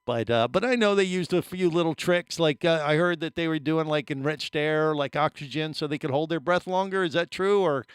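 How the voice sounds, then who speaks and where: A man hosting a radio show, asking a guest questions in an excited, rambling way. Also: on the high side, brisk, hardly any pauses, clear, resonant tone, no room sound, studio quality. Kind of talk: interview conversation. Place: radio studio.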